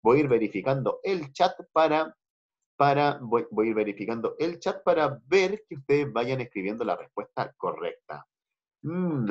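This man from Chile speaks in a husky, mid-range voice with a little mellowness, his accent Chilean Spanish. Patiently running an online English class, he alternates Spanish and English and says phrases again. The sound comes through a computer mic on a video call and is dull and lo-fi.

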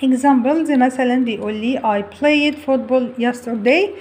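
A young adult woman with an Egyptian Arabic accent teaching an online English grammar lesson, explaining step by step and repeating key words slowly. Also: high-pitched, a little mellow.

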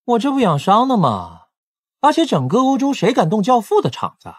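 A man playing a playful, chatty young gangland casino owner in an audiobook drama, with a whiny, animated manner. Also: high-pitched, brisk, slightly rough, no echo, studio quality, full character voice. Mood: complaining. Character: playful, chatty young male casino-owning crime boss's brother. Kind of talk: Mandarin audiobook drama acting.

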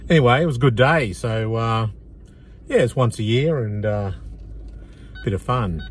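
A man's voice: medium pitch, moderate pace, a little hiss or hum. A man, hosting a casual car vlog and rambling with plenty of fillers, recorded on a phone in a car. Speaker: vlog host. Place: inside a parked car.

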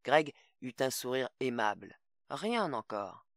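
A man's voice: medium pitch, sing-song, slow pace, a bit bright, no room sound, studio quality. Man reading a story aloud. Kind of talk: audiobook narration.

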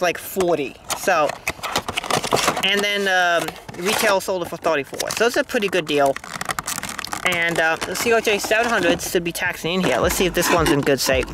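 A man casually unboxing model planes outdoors at an airport, chatty and easily excited, filmed on a tripod-mounted phone. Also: sits high, background noise. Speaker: aviation YouTuber.

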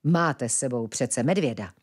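A woman voicing a wise old male ferret who lives in hiding, speaking low and deliberately. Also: expressive. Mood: calm.

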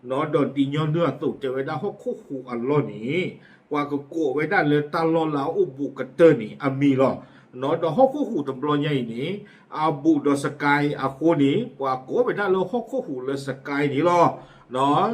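Male news presenter, casual and chatty, slightly higher voice, lots of fillers. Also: lively intonation, a little fast. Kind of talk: casual spoken news commentary.

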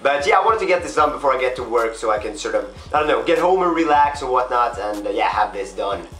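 A young man from Sweden, vlogging casually to camera in a small bedroom, his voice deep and rough after a night of drinking, rambling with many fillers. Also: animated, fast, a bit bright, roomy sound, soft background music, low-quality recording. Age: young adult. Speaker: gaming vlogger. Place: small bedroom desk setup, indoors.

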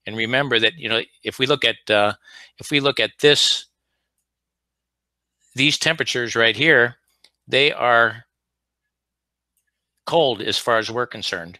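A man's voice: medium pitch, a little slow, pauses often, pushed and bright, no room sound. A man teaching a live online class over slides, explaining at an easy pace with frequent fillers and restarts. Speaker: HVAC instructor.

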